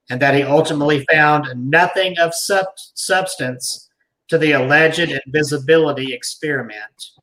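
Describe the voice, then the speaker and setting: A man hosting a talk, reading an article aloud deliberately, with emphatic pauses and asides like a storyteller. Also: fairly high pitch, bright, forceful tone, poor audio.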